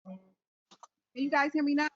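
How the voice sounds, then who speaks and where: A woman's voice: sits high, expressive, normal speed, background noise. A woman chairing a meeting over a bad call connection, her voice breaking up and cutting out as she talks. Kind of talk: public meeting discussion on a call. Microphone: phone or computer on a remote call. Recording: dull, choppy remote call audio.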